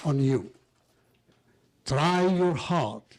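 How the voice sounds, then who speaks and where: A somewhat breathy male voice. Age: 80s+. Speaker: community elder, audience member. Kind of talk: audience speech.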